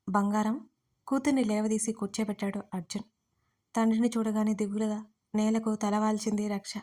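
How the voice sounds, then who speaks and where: A woman narrating a family drama audiobook as scripted storytelling, reading in a gentle, even manner. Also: mid-range voice.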